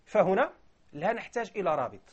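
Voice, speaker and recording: A man's voice: sits high, sing-song, fast talker, husky, dull audio. A man giving a classroom grammar lecture, explaining step by step and often checking whether his listeners follow. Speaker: grammar teacher.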